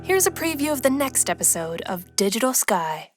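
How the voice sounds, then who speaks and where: A woman's voice: a little high, big pitch swings, moderate pace. A woman narrator delivering scripted narration and commentary for an audio drama. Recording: music behind the voice.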